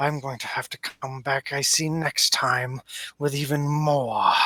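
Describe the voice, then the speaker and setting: Putting on a growling character voice, a man speaks fairly slowly at a fairly high pitch. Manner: menacing.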